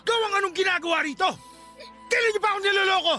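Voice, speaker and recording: A man playing a furious, betrayed fiancé in a Tagalog radio drama, shouting accusations. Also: very high-pitched, racing, full character voice. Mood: enraged. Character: furious betrayed fiancé confronting his cheating girlfriend. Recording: dramatic music underneath.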